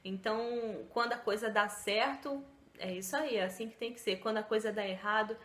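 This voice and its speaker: A woman's voice: medium pitch, brisk, reverberant, background noise. A woman vlogger giving casual self-help talk to the camera, chatty, with many fillers and tag questions.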